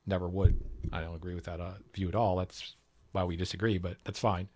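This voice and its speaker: A man's voice: low-pitched, level tone, a little fast, warm tone, a little hiss or hum. A man hosting a political livestream, arguing in a rambling, casual way and swearing now and then. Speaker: livestream host.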